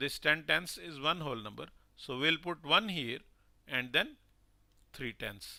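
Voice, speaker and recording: A man with a fairly high, bright and sharp voice speaks fairly slowly with lively intonation. His loudness swings widely, and he pauses long and often. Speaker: math teacher. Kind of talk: live online math lesson. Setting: livestream. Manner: slow, explanatory.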